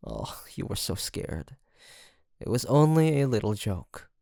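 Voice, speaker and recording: A man's voice: mid-range voice, wildly swooping pitch, a little slow, gravelly, mellow, no echo, clean studio sound, full character voice. A man playing a seductive, teasing incubus demon in an intimate audio roleplay, with a theatrical, flirtatious drawl and a smug, sweet-talking manner. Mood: teasing, amused.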